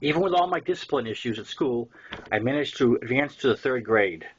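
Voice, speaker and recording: An older man with a Boston accent and a husky voice, reading his own first-person story as an audiobook narration. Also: mid-range voice, lively intonation, fairly quick, lo-fi sound, slight background noise.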